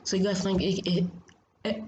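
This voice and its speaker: A woman giving a casual software tutorial in a hesitant, repetitive, halting way, as a host. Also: medium pitch, flat delivery. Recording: muffled, noisy home screen recording.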